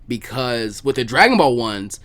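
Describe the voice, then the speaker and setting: A man's voice: medium pitch, very animated, moderate pace, a bit bright. A man hosting a casual podcast chat, talkative and informal, repeating words as he thinks aloud. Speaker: podcast host, video creator.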